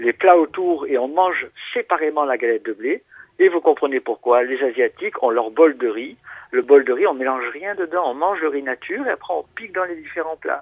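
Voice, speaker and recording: This man's fairly high voice rises and falls with lively intonation. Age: 60s. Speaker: traditional Chinese medicine practitioner and author. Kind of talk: radio interview explanation. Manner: hesitant, many fillers and restarts.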